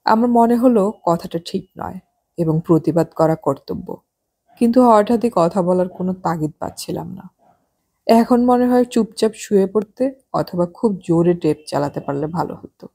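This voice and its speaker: A woman narrating a novel as an audiobook in a calm, measured reading style. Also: on the low side, creaky, slightly rough.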